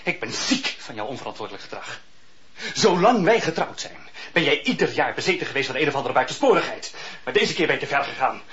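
A pompous gouty old judge. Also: male voice, mid-range voice, big pitch swings, quick pace, fairly bright tone. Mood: angry. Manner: smooth, patronizing, groaning in pain. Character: pompous gout-ridden male chief judge husband. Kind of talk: radio play acting. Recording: dull lo-fi radio recording.

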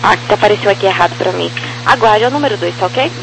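Fast, high-pitched Brazilian male controller on radio. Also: vocal fry, music in the background. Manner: clipped, procedural phrasing. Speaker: air traffic controller. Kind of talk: aviation radio clearance callouts. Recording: noisy radio with mains hum.

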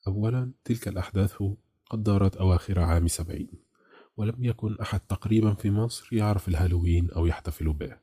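A man voicing a troubled, bitter middle-aged caller in an audiobook, with restrained anger, in a husky, very dark, low voice. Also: fast talker. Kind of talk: audiobook character reading.

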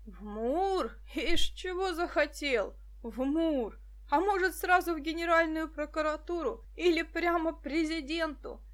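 A woman's voice: high voice, lively intonation, normal speed, bright, forceful tone. A woman reading an audiobook, voicing a bossy male police officer who mocks the children. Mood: mocking. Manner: mocking, bossy.

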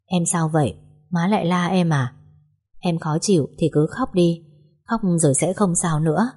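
A woman voicing a caring, troubled young husband, talking softly and reassuringly. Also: on the low side, normal speed, husky. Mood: tender. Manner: soft, reassuring, hesitant.

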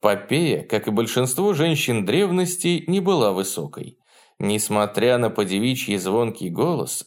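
A man's voice: medium pitch, darkish tone. Man reading an audiobook aloud. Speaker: audiobook narrator. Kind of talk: scripted narration.

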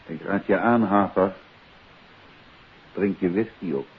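A Dutch actor playing a composed, wry gentleman detective in a 1950s radio play, on an old recording. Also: deep voice, slow pace, breathy edge, phone-quality sound, exaggerated voice. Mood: wry, unruffled.

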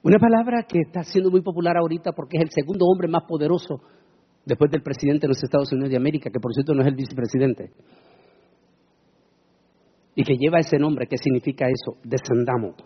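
A man preaching a sermon, dramatic and swinging into shouted proclamations. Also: on the high side, fast, breathy edge, muffled recording.

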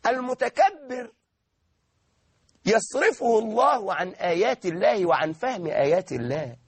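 A man preaching a sermon in an Egyptian Arabic accent, impassioned, now soft, now shouting. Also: high-pitched, sing-song, normal speed, slightly rough, no room sound.

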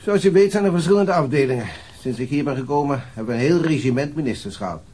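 A sardonic police chief in a radio drama. His husky voice delivers orders and wry remarks in a clipped, matter-of-fact manner. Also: a little high, expressive, quick pace, darkish tone.

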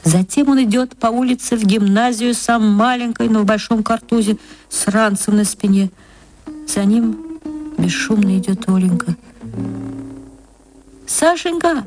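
A woman narrating a classic short story for an archive radio reading in a tender, unhurried way, slowing down at reflective passages. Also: medium pitch, steady tone, a little mellow, soft background music, low-quality recording.

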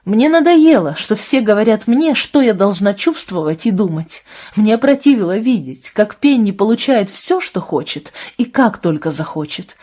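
Lady putting on a stubborn teen girl, pitched up higher and louder, hurt and indignant, husky edge. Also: very animated, moderate pace. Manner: raised, indignant outbursts. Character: upset headstrong teenage girl, defiant and hurt.

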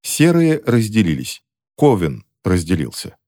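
A male narrator reading a fantasy novel aloud with a steady, dramatic delivery. His voice sits on the low side for a man. The reading is measured and even. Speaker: audiobook narrator. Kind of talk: scripted audiobook narration.

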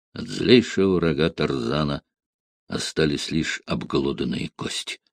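Deep-voiced man narrating an adventure story. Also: dry recording. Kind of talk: audiobook narration.

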